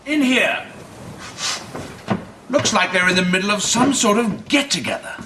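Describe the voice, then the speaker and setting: An actor playing a grandiose, self-important naval admiral in a sitcom, on a noisy recording. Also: male voice, high-pitched, animated, measured pace. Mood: pompous. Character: pompous boastful male naval admiral. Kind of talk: sitcom acting.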